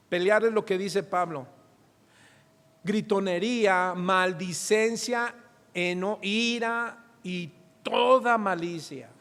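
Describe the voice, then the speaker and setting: A reverberant church hall carries the fairly bright, high-pitched voice of a middle-aged Mexican man preaching as pastor in Mexican-accented Spanish. He questions the congregation rhetorically and plays out short anecdotes from family life.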